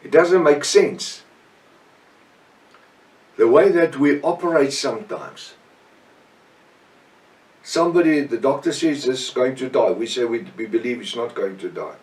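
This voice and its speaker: Male Bible teacher, native Afrikaans speaker, South African accent. Medium pitch, earnest halting preaching, roomy echo, slightly off-mic. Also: darkish tone. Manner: earnest, emphatic, halting delivery with repetition and short phrases. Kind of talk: extemporaneous Bible teaching sermon. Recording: echoey room, distant microphone.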